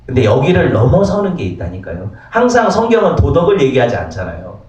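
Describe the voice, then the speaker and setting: A man's voice: mid-range voice, huge pitch swings, quick pace, a little mellow. A male pastor preaching a sermon, throwing many rhetorical questions at the congregation. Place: church sanctuary. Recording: roomy, distant, dull church recording.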